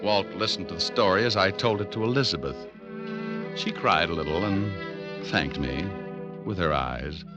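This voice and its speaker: An actor playing a dry, sardonic private detective who also narrates, in a 1940s radio drama. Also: male voice, low voice, moderate pace, muffled recording, lightly acted. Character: wisecracking tough male private eye. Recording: old radio broadcast with music underneath.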